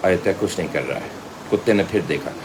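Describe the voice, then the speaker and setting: A man's voice: sits low, fast talker, background noise. An Indian man giving a theatrical voice-training lesson as a trainer, switching between Hindi and English and telling stories to demonstrate. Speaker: media school voice trainer.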